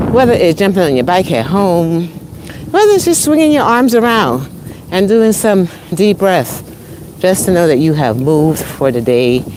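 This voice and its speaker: A woman speaks with a New York accent at a fairly low pitch and a moderate pace, with very wide pitch swings. Noticeable background noise runs underneath. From Caribbean, raised in New York. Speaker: motivational speaker and business coach. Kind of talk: live-stream motivational talk. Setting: outdoors on a walk, live stream. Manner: casual, conversational.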